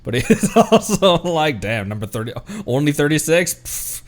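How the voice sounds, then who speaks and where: A man's voice: on the high side, sing-song, moderate pace. A man giving casual, joking, sarcastic commentary as he streams a game. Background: faint game music.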